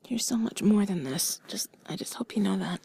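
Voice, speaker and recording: A woman voicing a tender, affectionate partner in a whispered role-play, breathy, gentle, intimate and reassuring. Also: mid-range voice, animated, moderate pace, dry recording, exaggerated voice. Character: tender affectionate female partner comforting a loved one.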